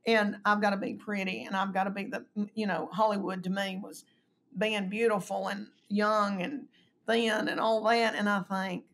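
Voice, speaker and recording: A woman in her fifties, a comedian guest on a video call, telling candid stories in an earnest, self-deprecating way that often trails off into quieter asides. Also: medium pitch, level tone, moderate pace, creaky. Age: 50s. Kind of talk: candid conversational storytelling. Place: home room on a video call.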